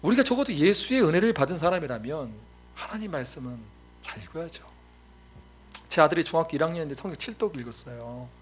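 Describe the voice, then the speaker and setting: Animated Korean missionary preaching a sermon. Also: male voice, a little high, quick pace, breathy edge, soft background music. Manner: animated storytelling, acts out voices.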